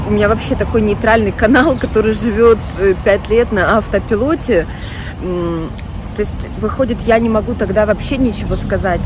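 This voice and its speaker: A woman in her thirties, a fashion vlogger, talking earnestly and emotionally to camera outdoors, upset after crying. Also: medium pitch. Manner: earnest, emotional, defensive, speaks straight to viewers. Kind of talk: casual vlog monologue to camera. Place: outdoor city park square. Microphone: phone held at arm's length. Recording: phone audio with street traffic noise.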